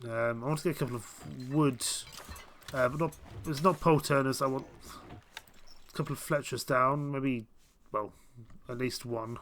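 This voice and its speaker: A man with a cold and a croaky voice, giving casual, hesitant commentary while playing a strategy game. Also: medium pitch, fairly even intonation, moderate pace, fairly bright tone, a little hiss or hum. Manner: hesitant, full of ums and restarts. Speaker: game streamer.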